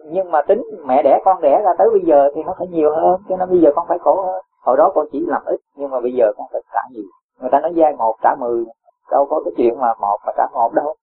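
An older Buddhist monk speaks with a Southern Vietnamese accent. His voice is husky and sits fairly high. He counsels his follower in a gentle, admonishing way, and the recording is narrow and phone-like. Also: fast talker. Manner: gentle and admonishing, laughs now and then. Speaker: Buddhist elder monk teacher. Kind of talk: Dharma talk answering a follower.

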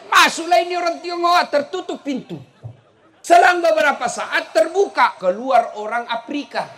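A middle-aged male preacher, giving a humorous religious lecture and telling stories with shouts and laughter. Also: very high voice, moderate pace, a faint crowd. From South Sulawesi. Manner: animated storytelling, bursts into shouts and laughter.

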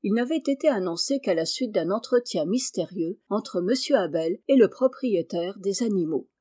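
A woman from France reading a classic novel aloud in a lively, expressive way. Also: medium pitch, moderate pace. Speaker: audiobook reader.

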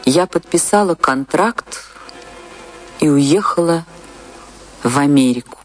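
An actress playing a famous dancer who recalls her tragic life in a measured, impassioned and sorrowful radio monologue with dramatic pauses. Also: low voice, expressive, music in the background. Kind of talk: dramatic first-person radio play monologue.

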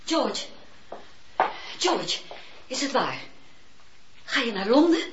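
A woman's voice: on the high side, big pitch swings, slow pace, noisy background. An actress playing an emotional married woman who pleads urgently in a radio play. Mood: pleading. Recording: dull old radio recording.

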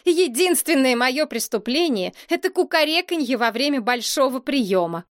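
A hot-headed boy prince, sulky and defensive, grumbling his way through every complaint, as a woman reading a storybook puts him on. The voice sits fairly high and moves a lot. Dry, close recording. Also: animated, moderate pace, no room sound. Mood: aggrieved. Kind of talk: audiobook character voice.

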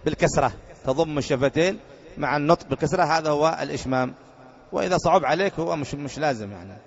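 In a muffled recording from a reverberant hall, a man with a fairly high voice speaks quickly as he teaches an Arabic grammar lesson. He's a sheikh who quizzes his students by asking the same questions again and again.

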